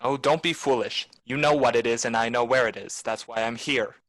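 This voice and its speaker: Radio play private eye, male actor: cynical wisecracker, nonchalant tough talk, mid-pitched, dry sound. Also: steady tone, fairly quick, a bit bright, no echo, lightly acted. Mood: impatient, threatening. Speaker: actor, lead and narrator. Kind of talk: film noir radio play acting.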